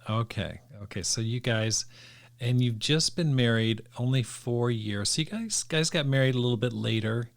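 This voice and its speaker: A man's voice: medium pitch, moderate pace, vocal fry. A man hosting an interview, affirming his guests and asking short, direct questions. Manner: affirming, asks short questions, laughs easily. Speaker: podcast host.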